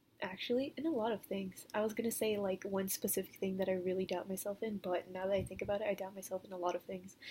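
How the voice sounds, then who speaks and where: Her voice is dark, mellow and somewhat breathy, at a medium pitch with ordinary pitch variation. The woman speaks at a very fast pace with hardly any pauses. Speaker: vlogger. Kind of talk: casual monologue vlog. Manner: hesitant, full of fillers; jumps between thoughts.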